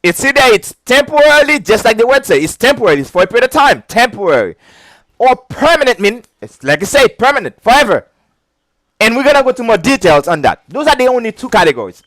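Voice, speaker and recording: A man's voice: very high-pitched, fast, dry recording. A man with a heavy accent teaching an insurance licensing lesson, repeating key points and chuckling often. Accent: non-native English. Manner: repetitive, chuckling, animated teaching. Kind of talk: casual video lesson.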